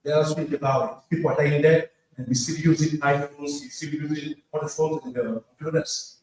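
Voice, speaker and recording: A man from DR Congo with a Congolese French accent speaks halting English in an impassioned speech from the audience floor, repeating phrases for emphasis. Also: fairly high pitch, fairly even intonation, a little mellow. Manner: halting, non-fluent English with repetition for emphasis. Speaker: audience member at a conference. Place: large indoor conference room. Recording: very echoey hall, distant mic, faint noise.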